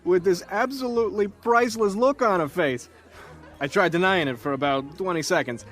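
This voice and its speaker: An actor playing a cocky, chatty undercover cop in an audio drama, telling stories in a breezy, boastful way. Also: male voice, sits high, moderate pace, fairly bright tone, faint music behind. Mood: amused.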